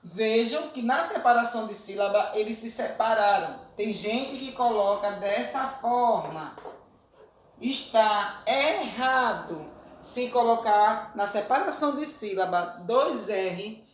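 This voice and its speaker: A woman's voice: on the high side, lively intonation, slow pace, a little hiss or hum. A woman teacher giving a recorded lesson, explaining rules patiently and often checking that her students follow. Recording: roomy echo.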